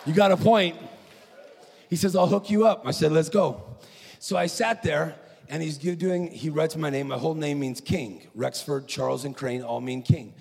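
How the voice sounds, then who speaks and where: A man preaching at a conference, telling a story with animated, acted-out quotes. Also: on the high side, normal speed, vocal fry, husky. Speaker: conference speaker. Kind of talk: preaching sermon. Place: large conference hall. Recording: echoey hall.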